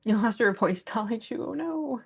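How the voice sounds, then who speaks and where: A young woman with a gruff voice that is going hoarse, chatting casually with viewers on a livestream in a rambling way full of fillers. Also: on the high side, lively intonation, normal speed, darkish tone. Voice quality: gruff, smoker-like voice. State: losing her voice. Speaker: livestream artist. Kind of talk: casual chat with stream viewers.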